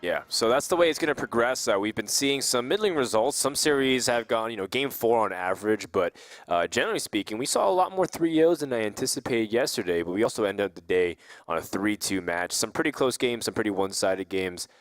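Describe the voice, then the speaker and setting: A man hosting an esports tournament desk, recapping results and putting questions to his co-casters in a lively way. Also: fairly low pitch, fairly quick, dry recording.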